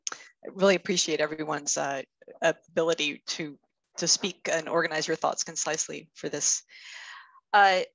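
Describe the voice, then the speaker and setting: A woman's voice: deep voice, gravelly, a bit bright, no room sound, rough recording. A woman moderating an online panel, thanking the previous speaker and introducing the next one, with many hesitant fillers. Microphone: video call.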